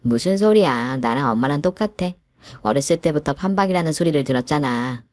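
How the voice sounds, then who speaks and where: A woman's voice: low voice, lively intonation, fairly quick, no room sound, studio quality. A woman voicing a cheerful, reassuring young married daughter in a scripted storytelling reading. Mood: upbeat. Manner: bright, reassuring, upbeat.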